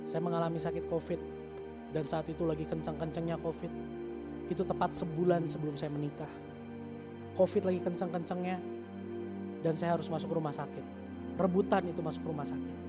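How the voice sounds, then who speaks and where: A man's voice: fairly high pitch, flat delivery, fairly quick, pauses often. Man in his 30s, pastor's sermon testimony, earnest and confessional, music playing underneath. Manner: earnest storytelling, shifting from raised emphasis to hushed confession. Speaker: youth pastor.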